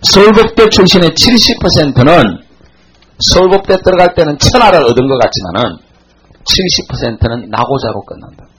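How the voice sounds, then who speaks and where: Brief: male lecturer in his 40s, somewhat high voice, swinging pitch, blunt storyteller. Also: a little fast, husky, rough recording. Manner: animated storytelling, blunt and coarse. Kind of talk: motivational classroom lecture.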